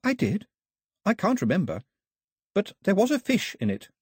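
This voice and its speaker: A man's voice: sits high, huge pitch swings, normal speed, darkish tone, breathy edge, dry recording, clean studio sound, pitched above the performer's own voice, exaggerated voice. A man voicing a prim, proper young girl who speaks in an earnest, slightly indignant way.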